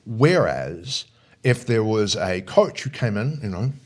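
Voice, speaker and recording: A man's voice: lowish voice, big pitch swings, slow. A man talking as a coach in a conversational interview, explaining his points emphatically and often punctuating them with short check questions. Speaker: speaker coach, interview guest.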